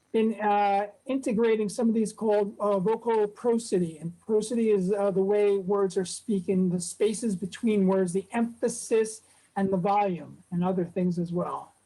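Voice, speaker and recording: A woman casually presenting a software demo on a video call at a club meetup, talking in a relaxed way with lots of fillers. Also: medium pitch, low-quality recording.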